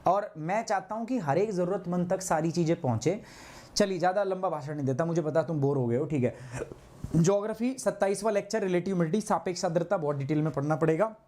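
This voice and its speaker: A man's voice: sits high, quick pace, darkish tone. A man teaching a live online class, chatty and scolding, who keeps checking in with his students as he switches between two languages. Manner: chatty and scolding, mixing Hindi and English, often saying "ठीक है".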